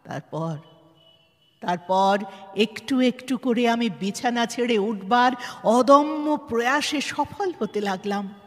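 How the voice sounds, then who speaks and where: An actress playing a resolute, inspiring disabled woman in a Bengali audio drama, speaking emphatically with dramatic pauses and a Bengali accent, switching into English. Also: on the high side, lively intonation. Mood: calm, resolute. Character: resolute, inspiring disabled woman painter who overcame despair. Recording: reverberant hall effect under music.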